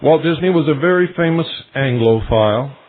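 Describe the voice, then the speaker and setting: A male radio host delivering a solemn, deliberate monologue, speaking straight to his listeners as ladies and gentlemen. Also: a little high, expressive. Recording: tinny shortwave radio broadcast.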